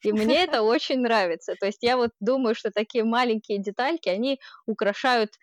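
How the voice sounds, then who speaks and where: A woman's voice: a little high, a little fast, no echo. A woman from Ukraine with a Ukrainian accent, chatting as a guest and laughing often as she talks. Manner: laughs often while speaking, warm and chatty. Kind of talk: casual conversational interview.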